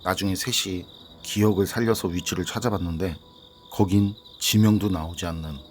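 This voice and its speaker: A man with a low voice tells a ghost story in the first person. He keeps a calm, steady storytelling pace, and a faint hiss sits under the recording. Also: moderate pace. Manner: calm storytelling, reading a listener's submitted story. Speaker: horror story narrator.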